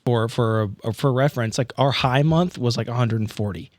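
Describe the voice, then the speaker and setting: A man chatting casually as a podcast co-host, halting and repeating words as he goes. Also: medium pitch, no echo. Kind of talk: casual chat.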